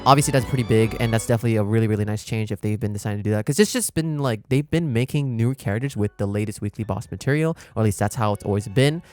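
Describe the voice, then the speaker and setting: Fast-talking man giving casual gaming commentary. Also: on the low side, darkish tone. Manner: chatty, explanatory. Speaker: gaming content creator, host. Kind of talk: casual reaction commentary on a game preview. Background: music.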